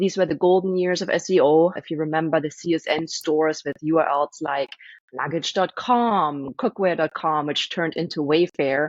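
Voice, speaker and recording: In a German accent, a woman talks at a moderate pace with a very deep, low pitch and ordinary pitch variation. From Germany. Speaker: marketing executive. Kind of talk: interview.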